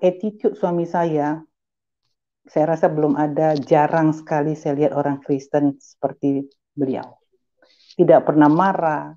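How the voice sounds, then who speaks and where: A woman's voice: low-pitched, mellow, muffled recording. A middle-aged woman giving an earnest, emphatic personal religious testimony, slipping in English phrases. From Malaysia. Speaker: testimony giver.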